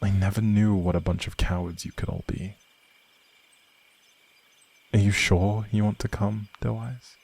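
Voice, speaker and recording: A man playing an outlawed prince, a gentle, protective leader, in earnest dramatic roleplay audio with old-fashioned, measured phrasing and a husky, breathy voice. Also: lowish voice, steady tone, exaggerated voice. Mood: resolute, stern.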